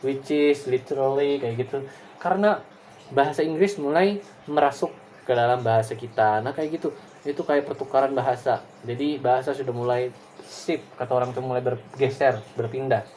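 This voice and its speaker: Male lecturer, casual digressive delivery, mid pitch, faint noise floor. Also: normal speed, a little mellow. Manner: casual and digressive, many fillers and tag questions. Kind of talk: recorded class explanation.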